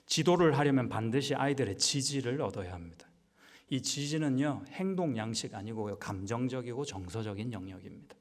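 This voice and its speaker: A man's voice: mid-range voice, brisk. A man pastor preaching a Wednesday sermon in a conversational style, asking the congregation rhetorical questions. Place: church sanctuary. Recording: long church hall reverb.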